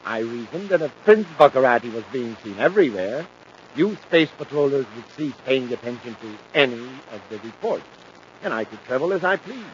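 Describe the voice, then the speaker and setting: A man's voice: medium pitch, expressive, fairly quick, lightly acted. Male actor as vain aristocratic villain, grandiose theatrical delivery, 1950s radio serial, muffled sound, faint noise. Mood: scheming, aggrieved. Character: vain, imperious aristocratic villain bent on ruling the universe. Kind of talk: 1950s radio adventure acting.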